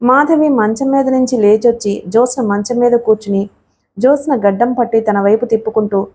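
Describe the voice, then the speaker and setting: A woman reads a novel aloud in a steady, even storytelling manner. Her voice sits fairly high, with a soft, mellow tone. The delivery is scripted audiobook narration. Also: a little fast, husky.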